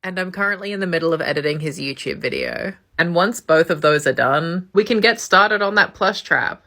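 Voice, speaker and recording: A woman's voice: fairly low pitch, expressive, a little fast, bright, forceful tone. A woman giving a matter-of-fact, step-by-step voice-over for a craft tutorial. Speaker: craft video creator.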